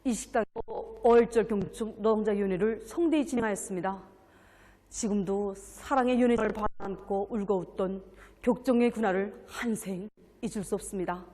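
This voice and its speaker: A woman's voice: mid-range voice, moderate pace, dark tone. A woman factory worker with a North Korean accent giving a rehearsed, formal testimonial in an earnest, reverent manner. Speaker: factory worker being interviewed. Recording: long echoing room reverb.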